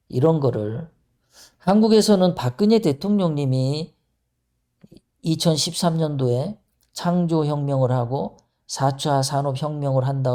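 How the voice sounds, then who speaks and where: Ranting man, dark mellow voice. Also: on the high side. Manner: emphatic, ranting, sarcastic. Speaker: political commentator. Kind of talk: solo political commentary monologue.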